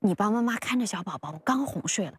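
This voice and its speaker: A woman voicing a patient mother in a children's cartoon. She soothes and coaxes, with many soft fillers. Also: mid-range voice, animated, quick pace, husky. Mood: coaxing. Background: cartoon background music.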